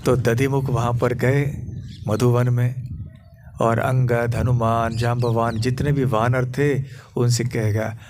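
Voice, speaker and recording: A monk preaching at a temple, telling a sacred story in a slow, measured voice. He speaks gently and pauses to search for words. A light hiss of noise sits behind him. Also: medium pitch, level tone. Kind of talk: sermon storytelling. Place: temple on a pilgrimage tour.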